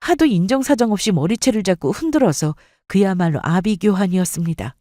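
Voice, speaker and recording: A woman narrating a dramatic first-person story with expressive storytelling. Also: medium pitch, a little fast, no echo, clean studio sound. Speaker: story reader.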